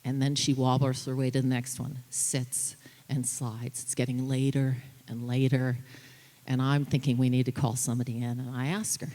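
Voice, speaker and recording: A middle-aged woman telling a personal story about her daughter on stage, emotional and dropping to a hush at the tender moments. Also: extremely low pitch, flat delivery, moderate pace, long reverb tail. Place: live event venue. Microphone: stage microphone.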